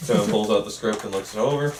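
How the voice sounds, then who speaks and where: Low-voiced man reading directions, echoey. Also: quick pace, slight background noise. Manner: casual, with asides. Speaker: script narrator and writer. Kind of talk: reading stage directions at a table read. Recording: echoey room, distant from mic.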